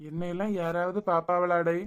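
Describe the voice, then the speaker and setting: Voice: mid-range voice, flat delivery, fairly quick, fairly bright tone, smooth, highs cut off, close to an everyday voice. A performer voicing a young policeman husband in a cartoon, curt and dismissive but fond. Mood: dry. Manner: curt, dismissive, short replies. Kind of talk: cartoon voice acting.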